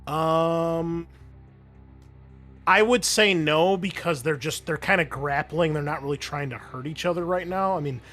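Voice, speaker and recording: A man's voice: fairly high pitch, unhurried, a bit bright. A man acting as game master, narrating scenes and calling for rolls in a tabletop roleplaying game. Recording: faint music behind the voice. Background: music.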